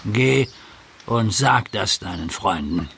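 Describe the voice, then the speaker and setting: Slow, solemn old man of warning. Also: fairly low pitch, animated, vocal fry, a bit bright, breathy edge, full character voice. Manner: slow, deliberate delivery. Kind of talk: German audio drama acting.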